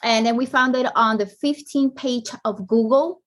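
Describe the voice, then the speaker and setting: A woman from Colombia with a Colombian accent, a business owner telling her story as a guest in a casual interview, animated and fond of "like". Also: a little high, normal speed. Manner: animated storyteller, acts out phone calls, frequent "like".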